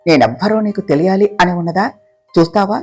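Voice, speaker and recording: A woman voicing the vengeful ghost of a murdered young woman, speaking in a lowered, menacing, taunting voice. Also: a little fast, darkish tone, soft background music, natural voice.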